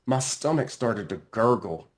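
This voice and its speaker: A man with a medium-pitched voice narrates a children's storybook. His intonation swings widely and expressively, and he leans on dramatic pauses and stretched-out phrases to carry the tale. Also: lively intonation. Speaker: author reading his children's book. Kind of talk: animated children's read-aloud narration.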